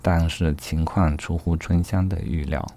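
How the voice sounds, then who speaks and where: Deep, gravelly male storyteller. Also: steady tone, measured pace, warm tone. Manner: playful retelling of a classic tale, voicing each character. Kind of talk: storytelling narration.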